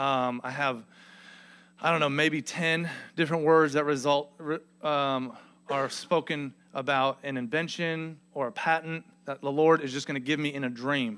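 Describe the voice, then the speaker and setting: With a bright, sharp tone and a fairly high pitch, a man speaks at a moderate pace with fairly even intonation on a very clean recording with a silent background. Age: 30s. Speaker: pastor. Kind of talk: sermon. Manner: casual, laughing often.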